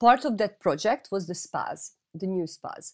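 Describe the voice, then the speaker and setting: With a Hungarian accent, a woman talks at a fairly slow pace. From Budapest, Hungary. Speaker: local tour guide. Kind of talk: casual interview. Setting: video call. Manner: halting, hesitant with restarts.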